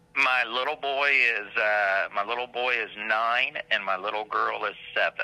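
With an American accent, the speaker has a normal speaking voice and fairly even intonation. The pace is fairly slow, with hardly any pauses. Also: man, medium pitch for a man. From Oklahoma, small town. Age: 50s. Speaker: high school sports media relations director, former sports reporter. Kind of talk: casual interview.

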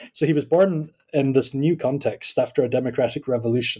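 Speaking with a Scottish accent, a man holds a medium pitch and fairly even intonation. The recording is very clean, with a silent background. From Scotland. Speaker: theologian and university lecturer.

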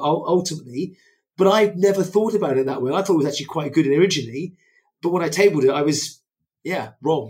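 A man's fairly high-pitched voice in a British accent at a very fast pace. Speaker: podcast co-host.

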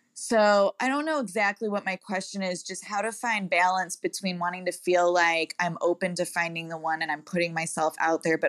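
At a moderate pace, an unremarkable speaking voice comes through with a dry, close sound and no echo. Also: woman. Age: 30s. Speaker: caller asking for dating advice. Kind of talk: recorded listener question.

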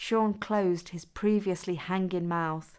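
Fairly even intonation shapes a natural reading voice.

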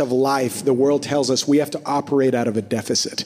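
Words come out fairly quickly while background noise is clearly audible. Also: man. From Canada, Manitoba. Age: 30s. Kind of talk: casual onstage interview before a live audience. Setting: stage with live audience. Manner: relaxed, earnest and reflective.

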